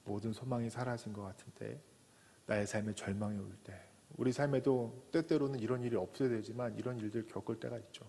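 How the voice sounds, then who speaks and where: A man, a pastor, preaching a sermon who acts out the voices in the story, from loud cries to soft whispers. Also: mid-range voice, fairly even intonation, a little fast, vocal fry. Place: church sanctuary. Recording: church hall with long reverb.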